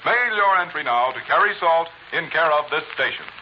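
American guy, vintage radio ad announcer, emphatic and lively, muffled with faint noise. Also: a little high, fairly quick. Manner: emphatic, salesmanlike. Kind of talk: 1940s radio advertising read. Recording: dull old radio recording, faint noise.

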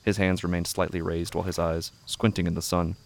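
A man reading scripted, literary narration for a horror audio drama in a measured, brooding way. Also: sits low, flat delivery, creaky.

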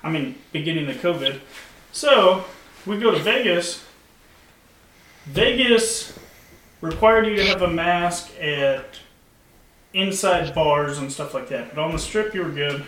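Man, casual podcast chat, slightly high voice, echoey room, a bit off-mic, faint noise. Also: expressive, unhurried, pauses often, a bit bright, far from the mic. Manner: loose, laughing, swears freely. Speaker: podcast co-host.

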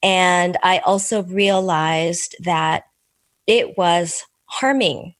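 A middle-aged Korean American author, who immigrated as an infant and spoke Korean first, answers a podcast interview thoughtfully and in a measured way, with soft laughs and restarts. Her voice is fairly low, and the recording has no echo.

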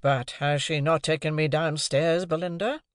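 A man playing a weary, despairing gentleman. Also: medium pitch, fairly even intonation, normal speed, clean tone, dry recording, studio quality, close to an everyday voice. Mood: dismayed. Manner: weary and plaintive. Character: mild, despairing middle-aged gentleman tutor.

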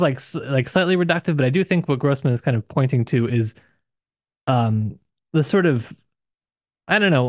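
A man co-hosting a casual book discussion podcast, hesitant and searching for words, with frequent restarts and sudden rises in pitch. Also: no room sound, studio quality. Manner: hesitant, many restarts and hedges, animated pitch jumps. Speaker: podcast co-host discussing a novel.

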